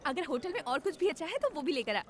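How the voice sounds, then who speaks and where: A woman's voice: sits high, very animated, quick pace. An actress playing a carefree, cheeky young woman who pleads in a childlike way, in a dubbed film. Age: young adult. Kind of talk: Hindi film dub acting. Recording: film dub with music behind.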